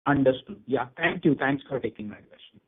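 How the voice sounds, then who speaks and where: A man's voice: mid-range voice, animated, a little fast, breathy edge. A man calling in as an analyst to put questions on an earnings call. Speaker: analyst caller asking questions. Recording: narrow tinny phone line.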